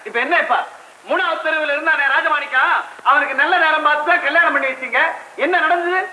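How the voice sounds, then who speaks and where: A boastful young groom in an old film, whining and sneering at everyone. His voice sits very high and runs fast. The sound is roomy, with loud music under it. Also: slight background noise, full character voice. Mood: mocking. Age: 20s. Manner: whiny and sarcastic.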